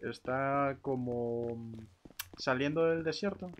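A man chatting casually in a roleplay game, speaking in a hesitant, halting way. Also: mid-range voice, muffled recording, slight background noise.

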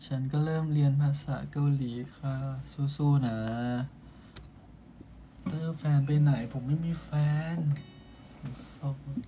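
A man's voice: a little high, steady tone, slow pace, dark tone, a little hiss or hum. A young man casually chatting on a live stream, reading viewer comments aloud and bantering playfully with them.

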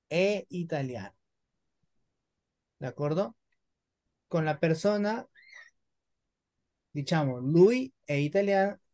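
A woman leads a beginners' class, talking slowly and patiently. She repeats and models each word with care for her students. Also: sits low, expressive, warm tone. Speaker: Italian teacher. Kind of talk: online language lesson.

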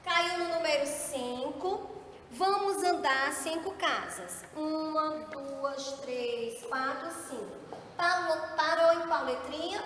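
Captured from a distance in a room full of echo, a female teacher with a high, slightly bright voice talks small children through a board game. She counts out loud at a slow pace and coaxes them along, with slight noise in the background.

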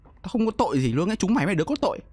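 A man streaming a horror game, joking around and bursting into panicked yelling. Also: high voice, sing-song, racing, breathy edge. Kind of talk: live gameplay commentary.

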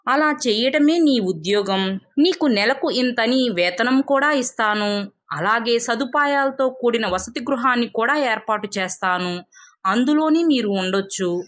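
Woman playing a high-voiced, imperious storybook king. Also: measured pace, fairly bright tone. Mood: firm, authoritative. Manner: imperious, ordering. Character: proud, commanding king, quick to threaten.

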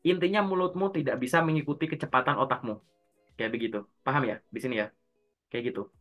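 Male interview coach, mid-range voice, relaxed coaching tone, works through points step by step on a call. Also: medium pitch, fast talker, faint music behind. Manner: explains step by step, poses and answers his own questions. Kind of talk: casual coaching session.

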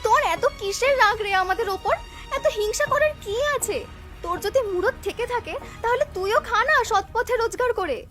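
A very high, bright and cutting voice: a woman acting out a feisty young village shopkeeper in a cartoon. She talks back and scolds with a sharp tongue. Faint music runs underneath. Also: moderate pace. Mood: scolding.

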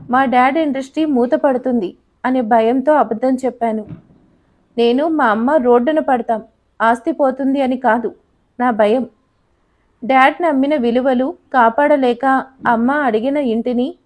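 A woman voicing a defiant young heiress. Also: high voice. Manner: pleading, then sharp and indignant.

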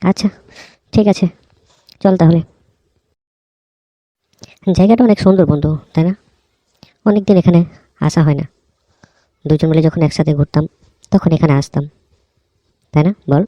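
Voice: medium pitch, steady tone, moderate pace, long pauses, dark tone, dry recording, natural voice. A performer voicing a broke, pleading cartoon friend who talks in a casual, chummy, coaxing way. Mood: friendly, nostalgic. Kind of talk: cartoon dialogue.

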